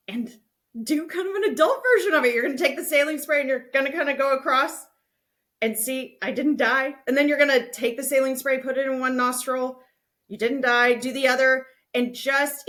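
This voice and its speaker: A woman's voice: sits high, a bit bright. A woman hosting a podcast, explaining things to parents in a conversational, instructive and reassuring way. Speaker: podcast host.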